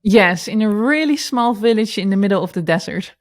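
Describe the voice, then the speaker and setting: A woman's voice: mid-range voice, animated, brisk. A woman in her thirties with a strong Dutch accent, talking casually as an interview guest over a video call, chatty and often restarting her sentences. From Netherlands. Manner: chatty, self-correcting, laughs easily. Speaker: guest entrepreneur.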